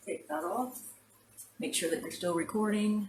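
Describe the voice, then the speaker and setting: A woman speaks with a fairly high pitch. Her words come out mumbled. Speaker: painter and art instructor. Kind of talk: painting demonstration tutorial. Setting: home art studio. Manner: mumbling, thinking aloud.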